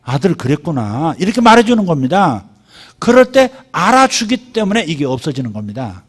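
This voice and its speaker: A middle-aged man preaching from the pulpit, his voice sitting a little high for a man. He is animated and lively, and he acts out the quoted speech of the people in his story with sudden jumps in pitch before dropping back to his everyday preaching voice. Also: brisk, husky. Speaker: pastor. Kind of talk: sermon.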